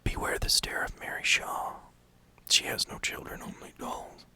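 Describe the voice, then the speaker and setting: A man voicing an eerie young woman patient in a tabletop horror game, reciting in a breathy whisper. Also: moderate pace, pushed and bright. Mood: eerie warning.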